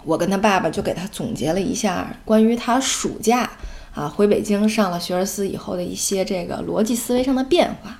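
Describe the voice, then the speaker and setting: A woman's voice: mid-range voice, a little fast, gravelly, darkish tone. A woman in her forties from China, a mother chatting casually through family anecdotes, full of fillers with some English mixed in. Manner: chatty, with many fillers and Mandarin-English mixing. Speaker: mother, vlogger. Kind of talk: casual storytelling.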